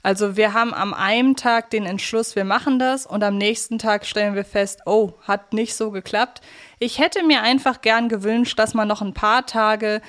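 A woman's voice: medium pitch, steady tone, moderate pace, fairly bright tone. Woman cohosting a podcast, chatty casual review talk, mid-range voice. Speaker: podcast co-host. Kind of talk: casual audio drama review chat.

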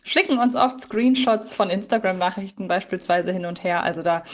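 A woman from Germany speaks as a podcast co-host. Her voice sits at a medium pitch, and she talks in a casual, chatty style. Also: normal speed.

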